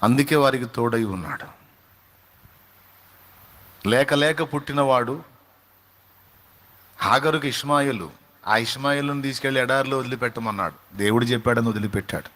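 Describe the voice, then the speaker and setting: A man preaches a sermon at a middle pitch. He presses each point home by repeating key phrases and throwing rhetorical questions at the listener. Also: normal speed, pauses often, fairly bright tone. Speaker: pastor.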